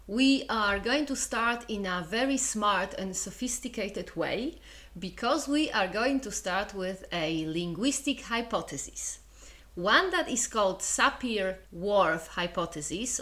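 A woman's voice: medium pitch, animated, measured pace, a bit bright. A woman with a Polish accent hosting her own podcast, explaining ideas in a chatty, wry way with asides. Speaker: podcast host. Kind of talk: solo podcast lecture.

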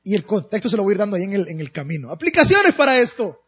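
A man preaching a sermon as pastor, with dramatic pauses and drawn-out emphatic phrases. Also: high voice, big pitch swings, a bit bright, breathy edge, highs cut off.

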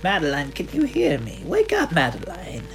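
Woman as soothing nun, slow and lilting, slight fry, over music. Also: fairly low pitch, huge pitch swings, exaggerated voice, rough recording. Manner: slow, soothing, gently persuasive. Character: calm, coaxing nun caring for a child. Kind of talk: horror audio drama reading. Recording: music playing underneath.

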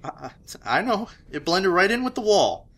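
Woman as sarcastic skeptic, sharp and bright. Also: mid-range voice, very animated, husky, heavily acted. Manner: sarcastic and dismissive, quick to explain things away. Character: skeptical young character named Mike. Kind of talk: audio drama acting.

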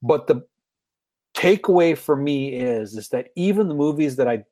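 A man's voice: fairly high pitch, lively intonation, moderate pace, warm tone. Enthusiastic man in his forties. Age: 40s. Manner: enthusiastic, rambling, many restarts. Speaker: podcast guest. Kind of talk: casual podcast discussion.

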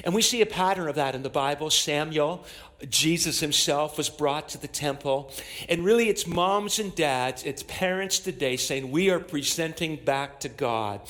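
Higher-pitched male pastor leading worship. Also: normal speed, a bit bright. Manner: declamatory, repetitive cadence with frequent amens. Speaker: pastor leading a church service. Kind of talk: sermon and public prayer. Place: church platform, speaking to a congregation.

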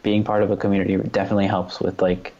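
A man's voice: low-pitched, flat delivery, very fast, darkish tone, muffled recording. A man from New York, a photographer, talking earnestly as a guest in a casual conversation, with lots of "like" and "you know".

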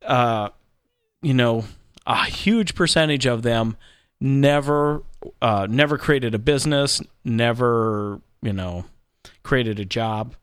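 Sardonic mid-pitched man, close dry sound. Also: takes it slowly, smooth, no room sound. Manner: sardonic, colloquial. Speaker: show co-host. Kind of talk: casual commentary chat.

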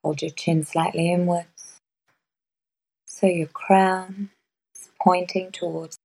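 A woman guiding a meditation in a soft, measured way, with long pauses between phrases. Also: on the low side, flat delivery, creaky, rough recording. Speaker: meditation guide. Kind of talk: guided meditation.

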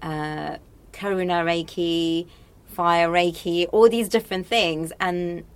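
A woman's voice: on the low side, steady tone, takes it slowly, smooth. A woman from Morocco talking casually and reflectively as an interview guest.

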